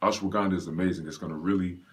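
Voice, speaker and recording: A man's voice: deep voice, steady tone, very fast, slightly rough. A man from Pennsylvania, raised in North Carolina, casually hosting a live fitness Q&A and greeting viewers by name in a slangy, laid-back way. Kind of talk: casual livestream chat.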